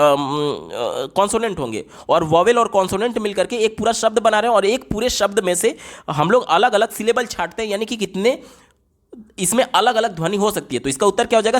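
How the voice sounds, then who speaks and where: A man, a teacher working through exam questions. He reads the English question text slowly and explains it at length, repeating key points. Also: high voice. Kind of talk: exam-prep lesson explaining answer options.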